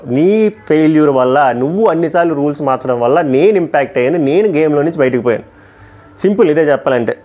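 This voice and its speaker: Male reviewer, quick emphatic delivery, slightly high voice, opinionated casual commentary. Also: darkish tone. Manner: emphatic, opinionated, quickly switching between points. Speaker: TV show reviewer.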